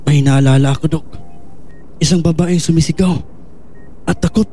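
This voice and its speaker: An actor playing a troubled man with lost memory in a Filipino audio drama, speaking in a halting, anguished way. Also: a little high, steady tone, dark tone, soft background music, close to an everyday voice. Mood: uneasy, searching. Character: troubled amnesiac man haunted by painful memories.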